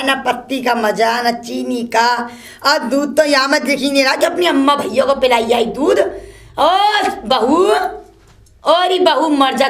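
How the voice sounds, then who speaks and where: A woman playing a scolding old mother-in-law who curses and complains nonstop. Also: fairly bright tone. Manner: shrill, cursing, complaining nonstop. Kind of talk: solo comedy sketch.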